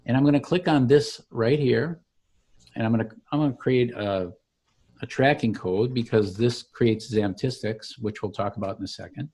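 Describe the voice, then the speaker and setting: A man giving an informal software demo as a company founder, explaining each click like a salesman. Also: medium pitch, moderate pace, husky. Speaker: company founder demonstrating his product.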